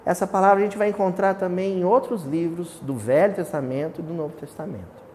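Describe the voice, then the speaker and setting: A man's voice: sits high, brisk, darkish tone. A man with a Brazilian accent teaching a small study group. He keeps asking the group questions, answers them himself, and declaims the verses he quotes. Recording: reverberant hall with faint hiss.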